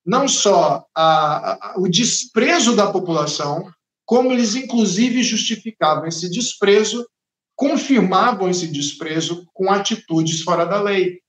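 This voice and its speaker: Man, Brazilian Portuguese accent, preacher, sermon, emphatic repetitive cadence, high voice, echoey room. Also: fairly bright tone.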